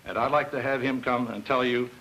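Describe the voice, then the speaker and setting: A man's voice: mid-range voice, steady tone, fairly quick, a bit bright. A man giving an explanatory, emphatic science lecture as a virologist presenting an educational film. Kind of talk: science lecture demonstration with models. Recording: noisy 1960 educational film soundtrack.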